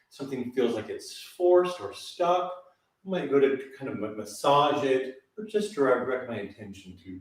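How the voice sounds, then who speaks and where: A man leading a live online vocal warm-up, calmly coaching and demonstrating sighs and sung exercises. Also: medium pitch, distant mic. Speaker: voice teacher. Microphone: camera mic at a distance. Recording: echoey room, voice off-mic.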